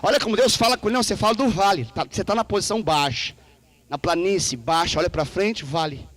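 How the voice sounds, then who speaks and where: A man's voice: sits high, fast talker, no echo. A man preaching a sermon in a Brazilian Portuguese accent, playful and joking, acting out dialogues in shifting voices. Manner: animated, acts out dialogues with God in shifting voices; playful, joking and laughing with the congregation. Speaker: pastor. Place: church service.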